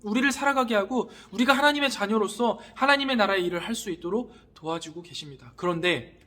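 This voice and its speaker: A man in his thirties, a youth pastor, giving an earnest sermon to teenagers with gentle, polite appeals. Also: high-pitched, quick pace.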